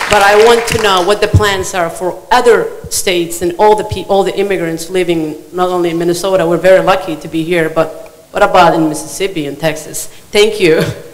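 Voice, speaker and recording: Hardly any pauses break up this fairly quick delivery. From outside the US, immigrant. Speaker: audience member asking a question. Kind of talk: audience question. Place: hall.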